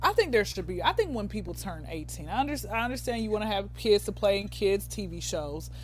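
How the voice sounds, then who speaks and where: A woman's voice: mid-range voice, sing-song, fairly quick. Rambling woman comedian in her thirties. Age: 30s. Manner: rambling, loses her train of thought. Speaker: comedian guest. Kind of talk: casual podcast interview.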